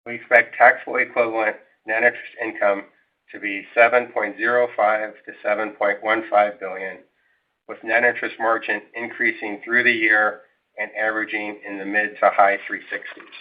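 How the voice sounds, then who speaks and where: A man speaking as a company executive, reading a formal, measured scripted financial presentation over a conference call line. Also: lowish voice. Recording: tinny, narrow phone line.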